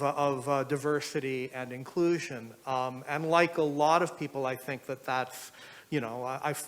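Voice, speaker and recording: A man's voice: mid-range voice, fairly bright tone. Man, professor, panel remarks, hesitant, filler-heavy, middle-aged. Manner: hesitant, many fillers and restarts. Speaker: discussant, professor.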